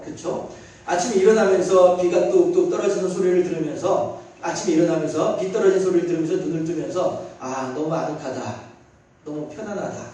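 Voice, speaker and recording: A man preaching a sermon as a pastor, lively, with many rhetorical questions and acted-out voices. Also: high-pitched. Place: church sanctuary. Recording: very echoey church hall, mic at a distance.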